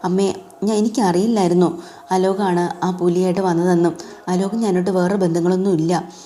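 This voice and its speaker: A flustered young daughter caught out in a lie, as a woman narrator voices her, stumbling through hesitant, pleading denials. The voice is lowish and soft-toned, with a mellow, dark colour. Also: fairly even intonation, normal speed, lightly acted.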